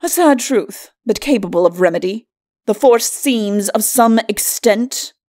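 A woman's voice: fairly high pitch, lively intonation, unhurried, darkish tone. A woman voicing a bickering undead skeleton lord in a storybook, haughty and mocking in archaic aristocratic speech. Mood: mocking, sardonic. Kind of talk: storybook character acting.

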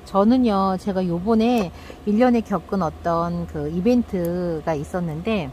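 A woman's voice: on the low side, unhurried, mellow, a little hiss or hum. A middle-aged woman hosting a succulent channel, chatting casually while tending her plants and acting out quoted thoughts.

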